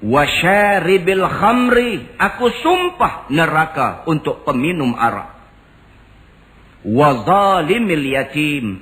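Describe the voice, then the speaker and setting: A male preacher, chanting Arabic phrases slowly and emphatically before moving into plain storytelling. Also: a little high, fairly bright tone, poor audio. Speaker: religious preacher. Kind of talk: sermon.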